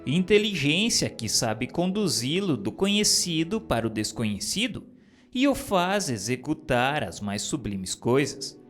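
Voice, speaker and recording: Slow, solemn man reading over music. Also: on the high side, very animated. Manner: solemn and declamatory, with slow emphatic stresses. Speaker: reader of spiritist texts. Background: soft background music.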